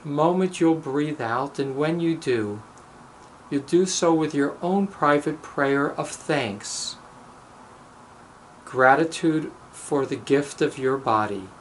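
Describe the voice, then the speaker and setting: A man speaking as a rabbi leading a guided meditation, measured and deliberate, pausing between short phrases and reciting blessings. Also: a little high, slight background noise, low-quality recording.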